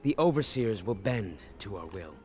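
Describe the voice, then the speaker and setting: A man playing a stern conspirator in a video game cutscene, formal, measured and resolute. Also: lowish voice, big pitch swings, loud music behind the voice. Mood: calculating. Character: stern, calculating male conspirator leader.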